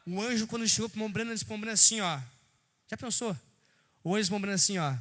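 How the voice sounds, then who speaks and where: A man preaching a fervent sermon in a church, swinging from shouted peaks to low asides and crying out hallelujah. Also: very fast, a little hiss or hum. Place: church service. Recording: long reverb of a church hall.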